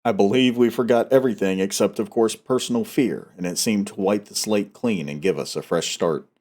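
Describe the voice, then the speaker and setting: A man's voice: fairly low pitch, fairly quick, darkish tone. A man hosting a novel read-aloud, talking casually and reading in an audiobook style. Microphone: headset.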